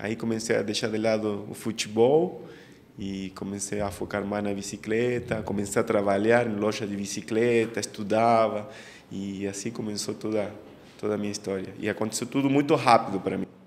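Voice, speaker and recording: With an Argentine accent, a man talks at a fairly low pitch and moderate pace, his intonation fairly even, over light background noise. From Argentina. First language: Spanish (speaking Portuguese). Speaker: professional cyclist; guest. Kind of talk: interview. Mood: relaxed, storytelling. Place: studio. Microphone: studio mic.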